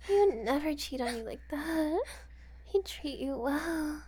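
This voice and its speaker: A woman's voice: high voice, expressive, unhurried, darkish tone, no room sound. A woman playing a bold, goading woman in an adult audio drama, taunting and coaxing, often dropping into a whisper.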